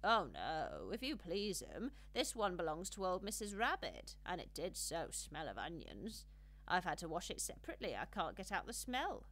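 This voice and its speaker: A woman's voice: fairly low pitch, wildly swooping pitch, moderate pace, fairly bright tone, full character voice. A woman voicing a small stout female hedgehog washerwoman in a storybook, humble, fussy and deferential, like a busy country servant.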